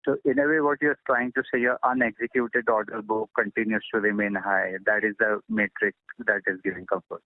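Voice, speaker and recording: A man's voice: fairly low pitch, fairly even intonation, fairly quick, hardly any pauses, no room sound. A man asking follow-up questions as an analyst on a conference call, heard over a telephone line. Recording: dry narrowband phone line.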